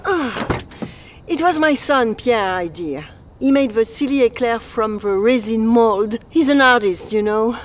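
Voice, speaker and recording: A woman's voice: a little high, lively intonation, measured pace, slight background noise. A woman playing a kindly older baker lady who fusses over her guests, speaking. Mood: fussing. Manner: fussing, warm-hearted, broken English. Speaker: bakery owner. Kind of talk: audio drama acting.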